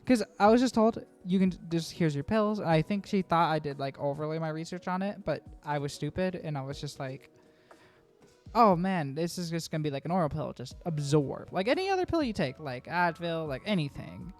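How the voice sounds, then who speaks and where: A woman's voice: sits low, expressive, brisk, a little mellow, soft background music. A trans woman vlogger rambling through a casual voice-over, often tagging "right?" and laughing between thoughts. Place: home voice-over recording.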